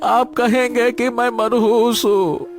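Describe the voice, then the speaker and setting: An actor voicing a weary, troubled old beggar in a cartoon story, speaking in a hesitant, pleading way. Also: male voice, very high-pitched, flat delivery, takes it slowly, soft background music, full character voice. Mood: anguished.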